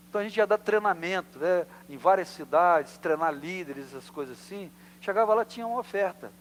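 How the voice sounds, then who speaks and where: A man from Brazil preaching a sermon as pastor, animated and storytelling, acting out quoted voices. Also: fairly high pitch, big-room sound, a little hiss or hum. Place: church.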